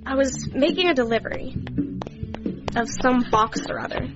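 A sarcastic, slangy teenage girl, played by a young woman, talking back to detectives in a radio drama. Her voice sits high and bright. The recording is a little dull. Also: moderate pace, over loud music, lightly acted. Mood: snarky. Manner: sarcastic, slangy, eye-rolling. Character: flippant underage female witness, sarcastic teen. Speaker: witness being questioned.

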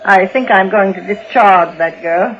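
An actress playing a lonely, hysterical widow near sixty, trembling and quick to cry, in a 1940s radio play. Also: female voice, medium pitch, a bit bright, lightly acted. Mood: anxious. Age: older. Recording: muffled old radio broadcast with music.

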